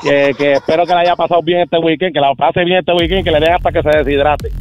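A man's voice: a little high, fairly even intonation, quick pace, lo-fi sound, noisy background. A man with a Puerto Rican accent calling into a radio show to tell teasing riddles. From Puerto Rico. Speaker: caller. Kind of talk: joking call-in.

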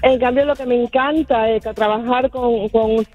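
A woman who owns a cleaning company calling in to a radio show, speaking in a halting, measured way. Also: on the high side, fairly even intonation, dull audio, faint music behind. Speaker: caller, cleaning company owner. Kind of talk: call-in radio chat.

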